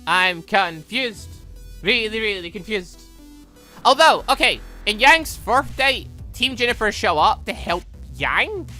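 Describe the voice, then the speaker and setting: A gaming host doing let's play commentary and reading game dialogue aloud, animated and rambling, with self-questioning asides. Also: medium pitch, slow pace. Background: game music.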